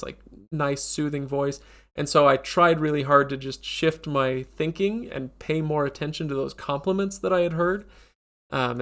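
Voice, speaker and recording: A podcast host with a nasal, stuffed-up voice, chatting casually on a live stream. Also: male voice, a little high.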